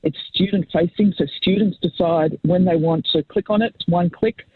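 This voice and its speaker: Brief: Italian-native woman, panel CEO, husky and dry, phone-quality audio. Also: fairly low pitch, normal speed, no room sound. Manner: eager, with frequent um and uh fillers. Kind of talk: webinar panel discussion. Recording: tinny phone-like line.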